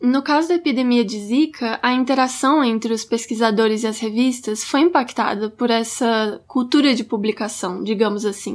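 A woman with an unremarkable speaking voice and a fairly high pitch talks at a moderate pace. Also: ordinary pitch variation. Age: 20s. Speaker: social sciences undergraduate researcher. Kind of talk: scripted podcast narration.

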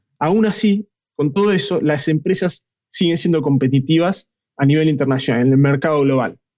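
A man speaks with an Argentine accent at a fairly high pitch. His loudness stays very even. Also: ordinary pitch variation, moderate pace. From Argentina. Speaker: doctor, sociology PhD student and editor. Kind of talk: interview conversation.

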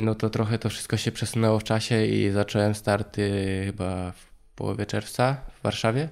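Monotone and flat, a man's fairly low voice moves at a moderate pace on a very clean recording with a silent background. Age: 20s. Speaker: professional triathlete. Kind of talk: interview.

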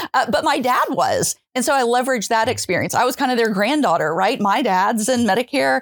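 With a Southern US accent, a woman at a fairly high pitch speaks at a fairly quick pace with hardly any pauses. Her intonation is lively while her loudness stays very even. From US South, Atlanta. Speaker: sales executive. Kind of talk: interview conversation.

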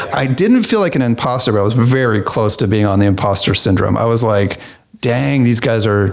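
A man with an American accent at a fairly quick pace, with very even loudness and ordinary pitch variation over noticeable background noise. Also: medium pitch for a man. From Boise, Idaho, US Northwest. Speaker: startup founder and CEO. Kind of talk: interview conversation. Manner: casual.

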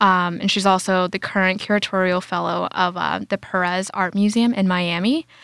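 An ordinary speaking voice runs with hardly any pauses. The intonation stays fairly even. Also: woman, medium pitch for a woman, moderate pace, very clean recording, silent background. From Taiwan, raised in Boston. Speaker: nonprofit co-founder. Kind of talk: interview.

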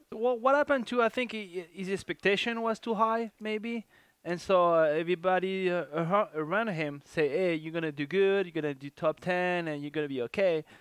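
A man with a French accent and a high pitch speaks at a moderate pace with lively intonation and hardly any pauses. The recording is very clean, with a silent background and a dry, close sound without echo. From France, Paris. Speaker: motocross journalist and photographer. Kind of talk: casual chat. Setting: studio.

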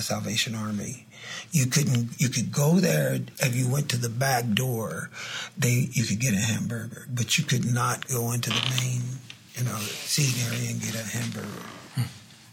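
A man of medium pitch speaks with an American accent, his pitch varying in an ordinary way at a moderate pace. Background noise is noticeable. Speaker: pastor. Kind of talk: panel discussion.

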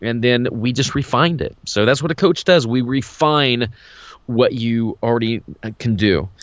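Ordinary pitch variation runs through a man's medium-pitched voice. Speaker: vocal coach and podcast host. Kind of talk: casual chat. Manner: fast-talking.

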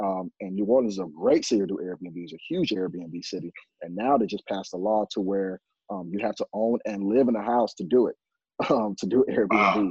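Here is a man with a fairly low pitch, an unremarkable speaking voice and ordinary pitch variation. His pace is moderate, and the sound is dry and close with no echo. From Houston, Texas, born in Nigeria. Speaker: real estate investor. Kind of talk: interview.

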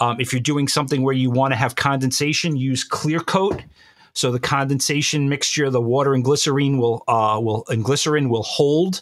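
Speaking in a normal speaking voice with an American accent, a man at medium pitch keeps a moderate pace, very even loudness and fairly even intonation on a very clean recording with a silent background. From New York. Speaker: food and beverage photographer. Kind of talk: casual chat.

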